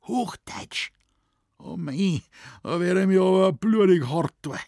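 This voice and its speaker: A man's voice: high voice, lively intonation, slow pace, gravelly, a little mellow, dry recording, studio quality, voice pushed up, full character voice. A man voicing a grumbling old Bavarian forest warden in broad dialect, speaking raised and flustered. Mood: fretful.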